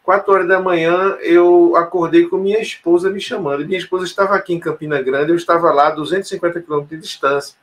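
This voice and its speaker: A man's voice: a little high, steady tone, fast talker, few pauses. A man telling a personal story in an interview, hesitant, with many fillers and restarts. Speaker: interview guest. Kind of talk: casual storytelling conversation.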